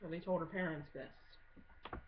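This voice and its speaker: A woman's voice: deep voice, fairly even intonation, unhurried. A woman giving a casual, comedic video-blog monologue in a blunt, sweary, sarcastic way. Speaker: amateur video blogger. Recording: muffled audio with clear background noise.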